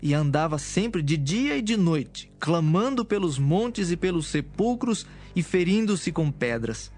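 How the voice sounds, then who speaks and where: A man's voice: fairly high pitch, big pitch swings, a little slow, a little mellow. A man reading scripted, dramatic narration for an audio Bible. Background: music.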